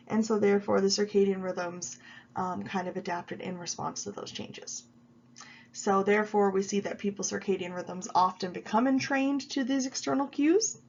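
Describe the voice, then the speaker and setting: A woman giving a recorded video lecture while she has a cold, explaining at an even pace with frequent ums. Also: mid-range voice, highs cut off, slight background noise. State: stuffy with a cold. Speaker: college psychology instructor.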